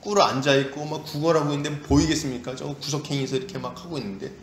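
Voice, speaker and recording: A man's voice: on the high side, fast. A male pastor preaching a sermon, telling the story vividly and asking rhetorical questions. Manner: animated storytelling, acts out voices, rhetorical questions. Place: church sanctuary. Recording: echoey church room, faint hiss.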